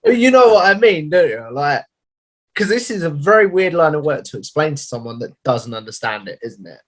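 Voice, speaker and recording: A man's voice: a little high, big pitch swings, brisk. A young man hosting a podcast, asking questions in a chatty, friendly way with "like" fillers, speaking through a headset on a video call. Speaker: podcast host. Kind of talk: casual interview chat. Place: home room.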